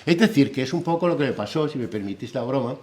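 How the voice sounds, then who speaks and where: A man's voice: medium pitch, fast talker. A man with a Peninsular Spanish accent gives an academic lecture as a philologist. He explains patiently and keeps checking in with his listeners through rhetorical tag questions. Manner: lively, with a humorous anecdote.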